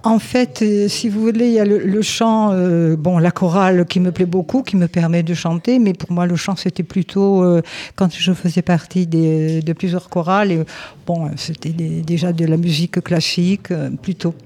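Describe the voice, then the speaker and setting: An older woman living in a nursing home, answering interview questions gently with many pauses and fillers. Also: on the low side, steady tone.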